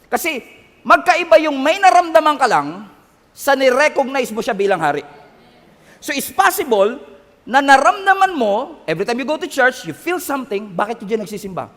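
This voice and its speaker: A man's voice: very high-pitched, normal speed. A man preaching a sermon, switching between Tagalog and English, often asking the crowd for an amen. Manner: Taglish preaching, animated, calls for amens. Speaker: pastor. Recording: long reverb of a hall.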